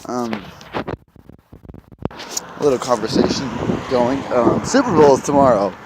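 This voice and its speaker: A man's voice: medium pitch, a little slow. A young man vlogging as he walks outdoors along a street, chatting casually in a rambling way with profane, sarcastic asides, filmed on a handheld phone. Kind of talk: casual vlog chat while walking. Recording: loud outdoor noise from traffic. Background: traffic and outdoor sounds.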